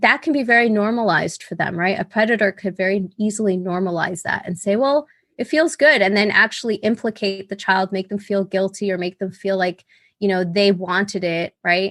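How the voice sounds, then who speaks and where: A woman with a plain, everyday voice talks at a fairly quick pace in a medium pitch, in a very clean recording with a silent background and a dry, close sound with no echo. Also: ordinary pitch variation. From New York, immigrant family. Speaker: consent educator. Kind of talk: podcast interview.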